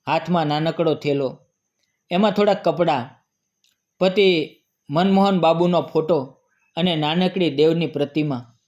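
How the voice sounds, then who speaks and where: Slightly high-voiced male storyteller. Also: unhurried, long pauses, darkish tone, muffled recording. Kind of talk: scripted story narration.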